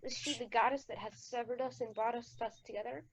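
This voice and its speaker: A woman's voice: a little high, steady tone, brisk, natural voice. A woman playing a solemn, wondering king and father in a Shakespeare radio play. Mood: solemn, moved. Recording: dull, lo-fi amateur recording.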